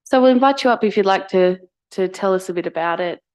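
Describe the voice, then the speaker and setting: A woman who is mayor, chairing a council meeting in a council chamber in a brisk, procedural way. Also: medium pitch, darkish tone.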